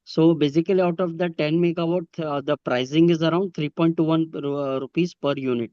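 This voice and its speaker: A man with an Indian accent asking questions on a business conference call in a halting, wordy, polite way. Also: a little high, fairly even intonation, clean tone, no room sound. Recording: muffled, lo-fi conference call audio.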